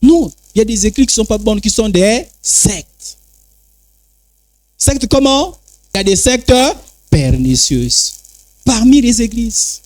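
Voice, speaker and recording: A man's voice: very high-pitched, measured pace, darkish tone, no echo. A man preaching a sermon as an apostle, with emphatic repetition and call-and-response phrasing.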